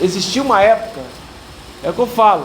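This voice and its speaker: A man's voice with ordinary pitch variation, audible room echo and noticeable background noise. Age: 60s. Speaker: university lecturer. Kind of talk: lecture. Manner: casual, conversational.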